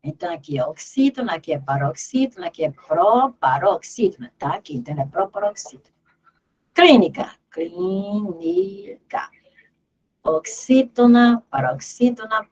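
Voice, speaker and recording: A woman's voice: medium pitch, breathy edge, poor audio. A woman teaching an exam review lesson in Portuguese grammar, emphatic and repeating key words as she drills terms aloud.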